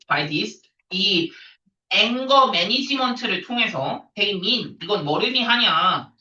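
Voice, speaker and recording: A woman's voice: mid-range voice, bright, forceful tone. A woman teaching an English reading lesson, chatting casually with students and switching between casual and polite speech. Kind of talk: casual classroom lecture. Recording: roomy, distant, dull lo-fi sound.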